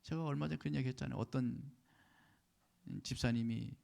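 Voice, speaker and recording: A male pastor delivering a Sunday sermon at a church service, dropping to hushed whispers and rising to loud, emphatic declarations while prompting the congregation for responses. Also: medium pitch, a little fast, gravelly.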